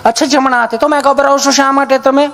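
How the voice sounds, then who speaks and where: A man's voice: extremely high pitch, fairly even intonation, quick pace, fairly bright tone, a little hiss or hum, voice pushed up. A man voicing a polite young female nurse who asks sweet, coaxing questions in a comic sketch.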